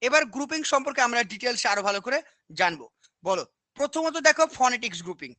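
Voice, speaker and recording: Woman coaching teacher, crisp bright tone, close dry mic, drills terms, keeps asking if you follow. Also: on the high side, animated, fast talker, no room sound. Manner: repetitive, quizzing, asks "understood?" often. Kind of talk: Bengali lesson on English teaching with repeated questions.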